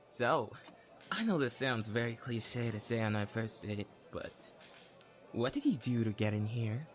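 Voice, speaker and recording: An actor playing a cocky, mouthy young prisoner in a black comedy audio sketch, smug, theatrical and sarcastic. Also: male voice, mid-range voice, animated, unhurried, faint music behind, natural voice. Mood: dismissive, sarcastic. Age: young adult.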